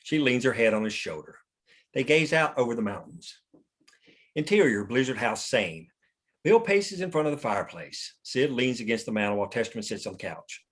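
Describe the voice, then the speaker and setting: Male narrator for a screenplay read, mid pitch, reading scene headings and action. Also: big pitch swings, normal speed, breathy edge. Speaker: narrator reading stage directions.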